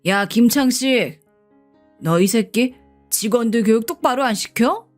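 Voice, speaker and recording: A woman voicing a blunt older male security guard who scolds roughly, over faint background music. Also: fairly high pitch, measured pace, close to an everyday voice. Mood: angry. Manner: gruff, scolding speech.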